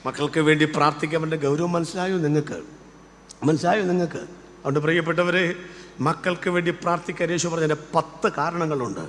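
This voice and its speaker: An older man preaches, his voice high and bright. He pushes his listeners with rapid rhetorical questions and fervent urging. A long reverb trails each phrase through the church hall. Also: fairly even intonation, a little hiss or hum. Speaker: pastor. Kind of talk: sermon.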